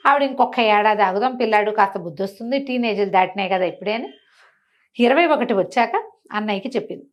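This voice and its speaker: A woman with a medium-pitched voice tells a folk tale to a listener at a quick pace, in colloquial fashion. She explains as she goes, acts out the characters' dialogue, and adds asides. The audio has its high frequencies cut off.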